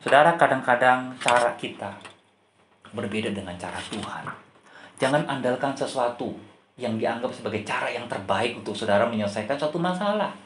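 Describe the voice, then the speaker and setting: A man's voice: mid-range voice, animated, normal speed, a bit bright, roomy sound, a little hiss or hum. A man preaching a sermon, telling a story and addressing the congregation directly again and again. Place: church.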